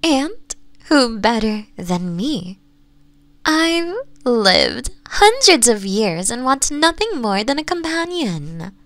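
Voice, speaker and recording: A woman voicing a doting, possessive nine-tailed fox woman in an ASMR roleplay, cooing and teasing in a breathy voice that often drops to whispers. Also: a little high, big pitch swings, a bit bright, dry recording, heavily acted. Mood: coaxing, adoring. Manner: cooing, teasing, slow sultry endearments with giggles.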